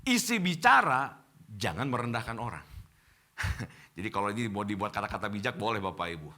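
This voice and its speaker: A man's voice: lowish voice, a little fast. A middle-aged male pastor with an Indonesian accent preaching a sermon to his congregation in church, addressing them directly. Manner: addresses congregation as Bapak Ibu, animated preaching.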